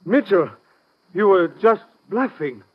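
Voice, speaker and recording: An actor playing an anxious, earnest foreign ally in a 1950s radio drama, with formal, excitable phrasing. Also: male voice, high voice, slow pace. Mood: relieved, puzzled. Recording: muffled, noisy vintage radio recording.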